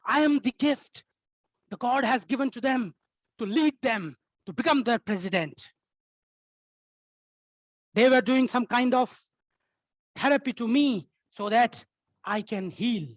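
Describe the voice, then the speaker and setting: A woman telling a tall tale as a theatrical contest speech, in short, halting, dramatic phrases. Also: a little high, no room sound, lo-fi sound.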